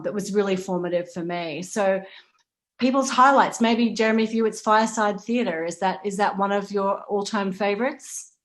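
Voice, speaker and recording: A woman with a mid-range voice moderates an informal panel discussion. She talks in a chatty way, working through her thoughts aloud as she goes. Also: mid-range voice.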